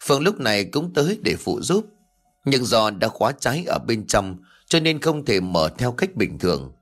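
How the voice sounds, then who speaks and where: A man's voice: very animated, moderate pace. A man narrating a scripted horror folk tale in a dramatic way. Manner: dramatic, with sweeping pitch swings. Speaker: storyteller. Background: faint background music.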